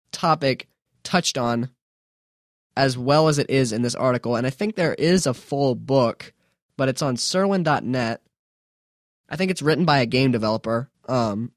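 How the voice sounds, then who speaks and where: A man's voice: mid-range voice, no echo. Chatty young man on a dry mic. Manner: chatty, self-mocking, rambling with restarts. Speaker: podcast host. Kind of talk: casual solo podcast talk.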